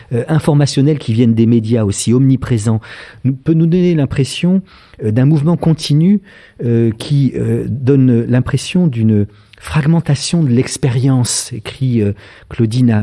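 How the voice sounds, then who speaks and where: A man's voice: mid-range voice, dark tone. A French man in his fifties giving a public philosophy lecture, thoughtful and full of hesitant filler sounds. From France.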